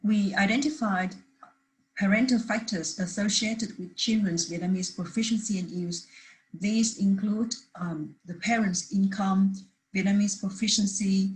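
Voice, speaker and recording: A woman's voice: medium pitch, slight background noise, low-quality recording. A woman presenting a research paper at a conference, reading steadily from prepared slides with the odd restart.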